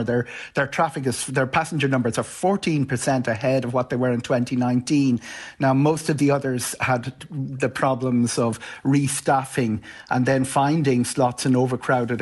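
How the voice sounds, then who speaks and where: A man with an Irish accent giving an explanatory live radio news interview as a travel commentator, informal and somewhat stop-start. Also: medium pitch.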